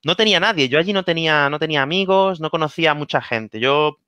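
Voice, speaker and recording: A man with a Spanish accent from Spain, giving language-learning tips in a casual online interview, lively and repeating himself for emphasis with frequent "¿vale?". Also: fairly high pitch, fast talker, clear, resonant tone, dry recording.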